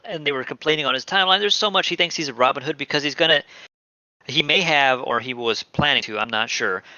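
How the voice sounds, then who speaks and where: A man hosting a casual crypto streaming show, chatty and animated, often laughing. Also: mid-range voice, dry recording, muffled recording. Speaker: podcast host.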